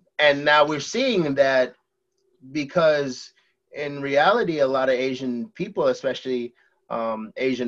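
Here is a man with a plain, everyday voice and a fairly high pitch. His intonation is lively. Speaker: guest, husband.

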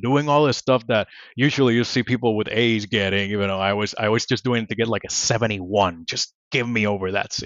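Delivery is at a fairly quick pace with fairly even intonation. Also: man, hardly any pauses. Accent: Spanish. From Puerto Rico. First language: Spanish. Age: 30s. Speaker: marketing manager. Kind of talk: casual interview.

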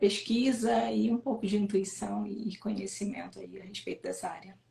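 A woman at a moderate pace. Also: big swings in loudness. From interior of Rio de Janeiro state, Brazil (Macaé). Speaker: author and researcher. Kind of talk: casual interview. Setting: live video stream. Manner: halting, many hesitations.

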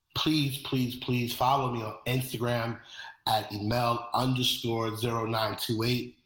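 A man with an American accent at medium pitch, very slow and monotone, with audible room echo. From Brooklyn, New York. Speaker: podcast host and company founder. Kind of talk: solo podcast introduction. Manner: hesitant with fillers.

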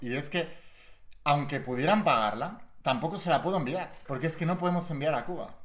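A man's animated, fairly quick delivery with ordinary pitch variation. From Spain, Barcelona. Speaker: motivational speaker. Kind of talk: motivational monologue to camera.

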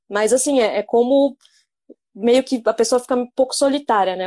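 A woman's dark, mellow tone at a fairly quick pace, dry and close with no echo. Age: 20s. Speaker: podcast host. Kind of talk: casual chat. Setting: online live stream from home.

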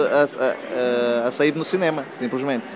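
A man is speaking. Music plays in the background. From Angola. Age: 30s. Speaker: footballer. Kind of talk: interview. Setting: event venue.

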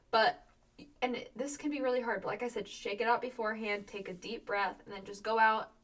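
A woman talks at a fairly quick pace with a fairly high voice. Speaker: podcast co-host. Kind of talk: casual chat. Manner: dry humor, hard to tell if joking.

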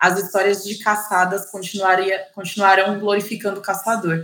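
This woman's voice sits at a medium pitch. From Brazil, Maranhão and São Paulo. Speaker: author. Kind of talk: interview. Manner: halting, many fillers.

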